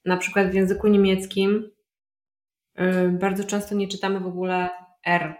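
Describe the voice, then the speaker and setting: A woman talks through ideas in a relaxed interview, explaining patiently and pausing on fillers as she thinks. Her voice sits at an ordinary mid pitch. The sound carries a noticeable room echo. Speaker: polyglot guest. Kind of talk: casual interview conversation.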